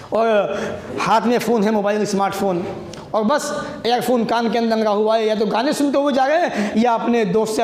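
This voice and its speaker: A man preaching a religious sermon, asking rhetorical questions, quoting hadith in Arabic and calling his listeners brothers. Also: very high-pitched. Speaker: Islamic preacher. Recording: echoey room, faint background noise.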